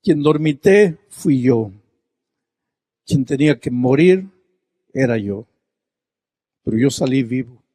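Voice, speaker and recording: A male preacher voicing a broken, grieving middle-aged man who speaks in a quiet, halting, mournful way. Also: medium pitch, lively intonation, no room sound, clean studio sound.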